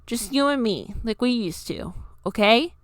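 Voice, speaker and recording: A woman voicing a gentle, frank teenage girl in a story reading, soft-spoken and direct. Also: a little high, lively intonation, measured pace, dry recording.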